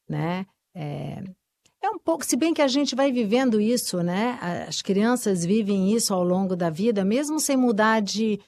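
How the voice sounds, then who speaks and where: Slow, hesitant woman from Uruguay. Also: on the low side, dry recording. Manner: slow, hesitant, many fillers. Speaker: author guest. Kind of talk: reflective interview answers.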